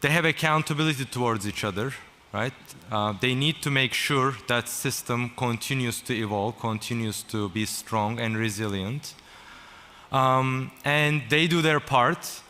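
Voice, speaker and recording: A man from Turkey speaking as a panel guest at a conference, slow and halting with many ums and restarts. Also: medium pitch, sharp tone. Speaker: panel guest, company founder. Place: conference stage. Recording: large hall with faint noise.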